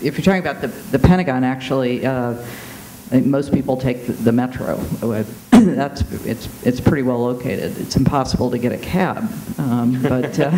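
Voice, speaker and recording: A man's voice: mid-range voice, warm tone, a little hiss or hum, poor audio. A man answering questions on a panel discussion, hesitant, with many fillers and restarts. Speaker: panelist, defense official. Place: university event room.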